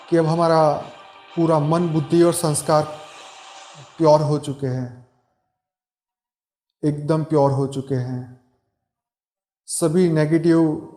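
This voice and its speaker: Slow-paced man guiding meditation, echoey. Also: fairly high pitch. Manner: calm, soothing, measured with long pauses. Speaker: meditation guide. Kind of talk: guided meditation, slow repetitive instruction. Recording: roomy echo with background music. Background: meditation music.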